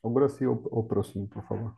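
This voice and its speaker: A man's voice: fairly low pitch, fast, creaky, mellow. A man with an Argentine Spanish accent, a native Spanish speaker, giving an academic panel talk over a video call with many fillers and restarts. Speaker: university lecturer.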